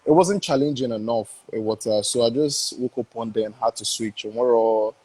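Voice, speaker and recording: Husky Nigerian man, excited chat. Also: mid-range voice, fairly quick, low-quality recording. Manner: enthusiastic, repeats himself, laughs often. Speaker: guest film director. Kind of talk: casual interview chat mixing English and Igbo.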